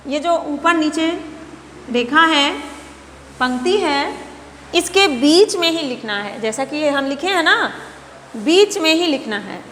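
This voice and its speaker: Woman, high voice, slow and patient, nursery teacher, repeats steps, echoey room with long reverb. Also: fairly bright tone, slight background noise. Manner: repeats each step, coaxing questions to children. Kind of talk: slow, patient classroom instruction.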